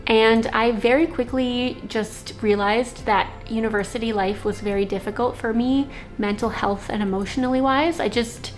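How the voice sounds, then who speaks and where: A woman's voice: a little high, steady tone, normal speed, few pauses, soft background music. A young woman born in Slovakia, a native Slovak speaker, telling a rambling personal story as a vlogger, with many fillers. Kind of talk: casual storytelling.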